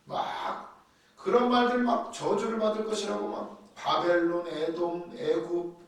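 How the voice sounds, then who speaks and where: High-voiced male preacher in an echoey hall. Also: a little slow, far from the mic. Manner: lively storytelling, acts out Bible quotes. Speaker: pastor. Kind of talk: sermon teaching on doctrine.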